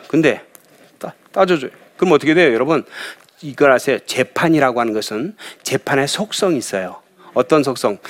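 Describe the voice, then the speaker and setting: A male pastor preaching a sermon in a lively storytelling way, often asking his listeners questions. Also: medium pitch. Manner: lively storytelling, acts out voices, asks the audience questions.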